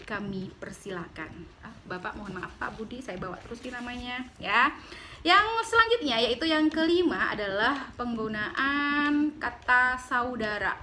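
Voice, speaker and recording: A woman's voice: fairly high pitch, pushed and bright, slight background noise. A woman giving a casual lesson on correct MC phrasing, chatty and corrective with teasing asides. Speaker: public speaking teacher. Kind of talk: casual instructional talk.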